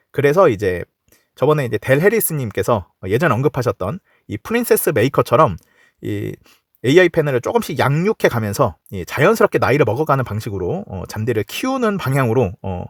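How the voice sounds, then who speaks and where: Fast-talking, lively man hosting a podcast. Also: medium pitch, no room sound, clean studio sound. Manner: rambling, heavy on fillers and restarts. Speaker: podcast host. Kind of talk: casual football podcast talk.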